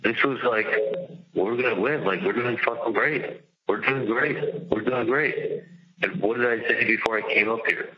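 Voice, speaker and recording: On a dull, lo-fi recorded jail phone call, a jailed man vents casually and profanely through the telephone. His voice is mid-range and his pace moderate, and he sounds agitated and emphatic, often repeating himself.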